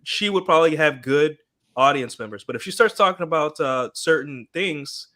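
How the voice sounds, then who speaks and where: Male podcaster, bright forceful tone, argues his point in casual chat. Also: fairly high pitch, animated, normal speed. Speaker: podcast co-host.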